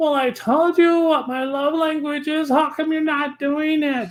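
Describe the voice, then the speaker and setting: A man uses a put-on character voice that is shrill and whiny, pitched extremely high. He talks at a moderate pace. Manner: whining.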